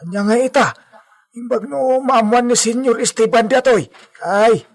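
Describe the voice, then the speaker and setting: Guy voicing a fretful old farmhand, real high voice, sighs a lot, scolds. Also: normal speed. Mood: worried. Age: older. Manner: worried, fussing, many sighs and exclamations. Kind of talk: amateur audio drama acting.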